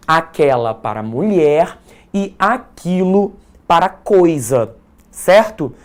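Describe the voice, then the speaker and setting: A Brazilian man teaches grammar in a live online prep class. He explains patiently and keeps checking that students follow with quick tags like "right?" and "okay?". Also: on the high side. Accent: Brazilian Portuguese. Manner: explanatory, frequent check-ins like "certo?" and "tá?".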